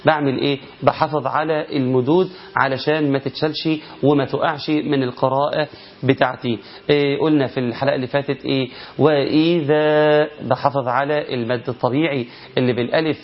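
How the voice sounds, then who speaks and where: A man with an Egyptian accent teaching Quran recitation, asking rhetorical questions and chanting drawn-out verses to show the rules. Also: mid-range voice, steady tone. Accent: Egyptian Arabic. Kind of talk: recitation lesson. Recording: lo-fi muffled recording.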